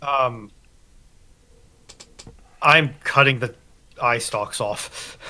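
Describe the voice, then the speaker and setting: Bright, forceful-voiced man in casual debate. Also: mid-range voice, extremely slow. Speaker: panelist.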